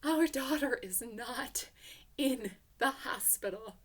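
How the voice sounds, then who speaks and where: A woman's voice: a little high, slow pace, breathy edge. A woman reading a literary short story in the first person, with intense, theatrical delivery. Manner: intense, theatrical, hushed passages swelling to emotional peaks.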